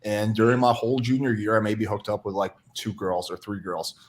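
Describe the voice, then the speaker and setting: A man's voice: fairly low pitch, level tone, brisk. A young man from Russia on a podcast, casually telling candid, self-deprecating stories about his past. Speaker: podcast guest. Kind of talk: casual chat.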